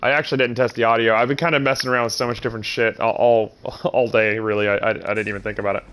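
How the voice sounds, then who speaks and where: A man's voice: lowish voice, flat delivery, racing, fairly bright tone, slight background noise. A man streaming a game who sounds nasal and congested, rambling in chatty asides to his viewers. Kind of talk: casual game commentary.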